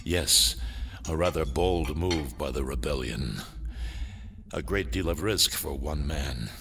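An actor playing a haughty, dryly amused imperial military superior in an audio drama, formal and condescending. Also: male voice, a bass voice, slow, creaky, a bit bright, slight background noise, exaggerated voice. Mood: measured.

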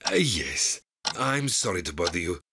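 A man acting a courteous but uneasy stranger in an audio drama, speaking formally and haltingly. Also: low voice, big pitch swings, gravelly, bright, forceful tone, breathy edge, no room sound, studio quality, heavily acted.

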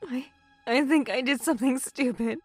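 A woman's voice: high-pitched, moderate pace, darkish tone, dry recording, soft background music. An actress playing an anxious, earnest young woman in an audio drama.

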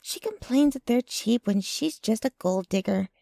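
A woman playing a possessive, jealous young girlfriend in an intimate ASMR roleplay, sweetly menacing, with a breathy voice that often drops to a whisper and a cooing, clinging manner. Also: on the high side, warm tone, no room sound, studio quality, heavily acted. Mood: scornful, jealous. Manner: slow, cooing, clinging to the listener.

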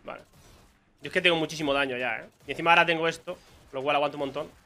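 Bright-voiced Spanish gamer commentating live. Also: male voice, a little high, steady tone, rapid-fire, slight background noise. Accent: Spain Spanish. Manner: casual, muttering to himself, exclaims when surprised. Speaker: gaming streamer.

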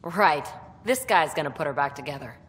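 A woman's voice: sits low, expressive, brisk, a little hiss or hum. A woman playing an impulsive, guarded, wry young alien adventurer in a video game, with breezy, sardonic delivery. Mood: brisk. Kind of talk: video game dialogue acting.

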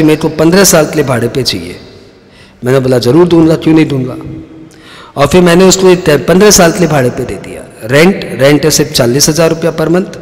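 A man's voice: fairly high pitch, big-room sound. A man teaching a tax class in a chatty, storytelling way, acting out dialogue in his examples. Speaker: tax lecturer.

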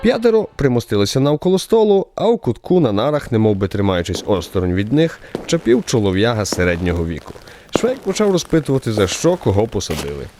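A man of medium pitch narrates a radio play with theatrical flair. His phrases rise and fall widely, in a polished literary storytelling manner. The recording carries faint noise and small clicks. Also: sing-song, fast, dark tone. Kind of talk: expressive scripted literary narration.

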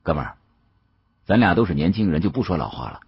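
Audiobook role: a man as a smirking, insolent young challenger, very raspy, lively pitch, slightly muffled recording. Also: quick pace, no echo, full character voice. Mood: smugly challenging. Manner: flippant, insolent drawl. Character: cocky, sneering young male student with a slangy taunt.

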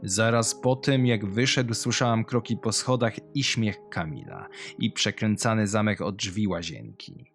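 A man's voice: lowish voice, expressive, unhurried, gravelly. A man voicing a cold young woman killer who recounts her past in a confessional, menacing way in a horror story. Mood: brooding, haunted. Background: music.

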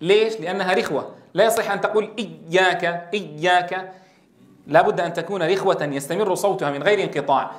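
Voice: medium pitch, racing, hardly any pauses, echoey room. A Quran recitation teacher giving a tajweed lesson, reciting verses melodically and drilling single syllables to correct pronunciation.

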